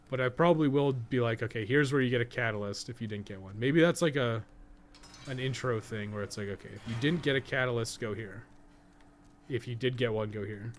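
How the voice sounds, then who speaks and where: A man's voice: medium pitch, a little hiss or hum. A man giving casual gaming commentary, thinking aloud in a rambling, profane way with joking asides. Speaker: podcast co-host playing a video game.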